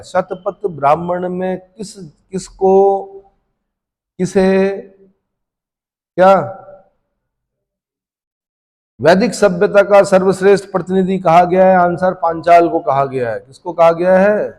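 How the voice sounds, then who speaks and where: Quizzing history teacher, echoing room. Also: male voice, sits high, darkish tone. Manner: asks students questions and answers them himself. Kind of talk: classroom lecture for exam prep. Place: classroom. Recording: long reverberant room echo.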